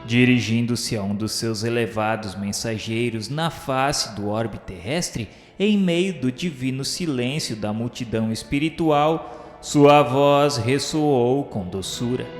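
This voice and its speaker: A man narrates a religious radio play in a mid-pitched voice, moving very slowly through ornate prose with a reverent, declamatory, literary delivery. The solemn, scripted narration is wrapped in music and long, hall-like reverb.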